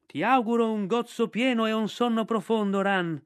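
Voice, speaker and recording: A man's voice: sits high, normal speed, clean tone, dry recording, studio quality, voice pushed up, natural voice. A man voicing a proud, fierce female panther who speaks sharply and commands. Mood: gracious.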